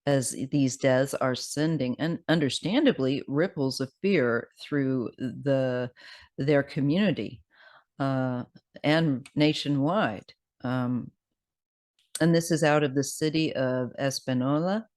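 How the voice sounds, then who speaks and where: A tarot reader with a scratchy voice, talking casually and haltingly, unscripted, sometimes reading aloud. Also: medium pitch, darkish tone. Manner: hesitant, halting delivery. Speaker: tarot card reader host.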